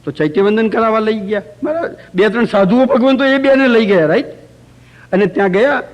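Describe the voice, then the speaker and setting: High-voiced man giving a storytelling religious talk. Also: brisk, dull audio. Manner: asks rhetorical questions of the audience. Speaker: religious teacher. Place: community religious center hall.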